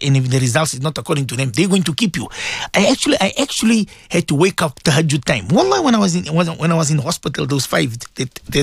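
A man's voice: a little high, creaky, husky, no room sound, studio quality. A middle-aged man hosting a religious radio show, talking to listeners in an emotional, pleading way and often repeating himself.

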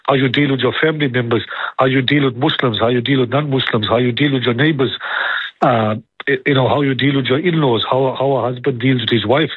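A man's voice: mid-range voice, husky, dry recording. A man giving a religious lecture as a preacher, repeating himself, listing point after point and asking rhetorical questions. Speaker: Islamic preacher. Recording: tinny phone-like radio line.

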